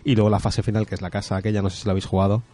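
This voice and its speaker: A man from tells gaming stories on a casual podcast. He talks quickly in a warm, mellow, fairly low voice. His delivery is animated, with casual swearing. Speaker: podcast co-host. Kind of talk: casual chat about video games.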